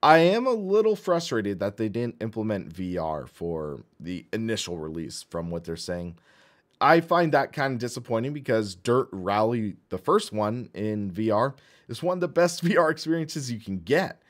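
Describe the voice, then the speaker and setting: Hoarse man chatting through a stream. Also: lowish voice, very animated, normal speed. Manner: chatty, thinks aloud while clicking menus. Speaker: sim racing streamer. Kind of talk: casual live-stream commentary.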